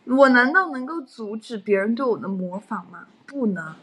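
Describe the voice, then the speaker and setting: Young woman, high voice, breathy, animated casual livestream storytelling. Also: normal speed, soft background music. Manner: animated storytelling, frequent laughter.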